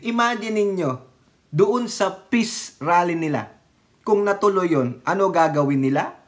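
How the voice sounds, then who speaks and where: A man's voice: high voice, lively intonation, measured pace. A man from the Philippines ranting in casual political commentary, sarcastic and mocking, often laughing and mixing in English phrases. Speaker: political vlogger.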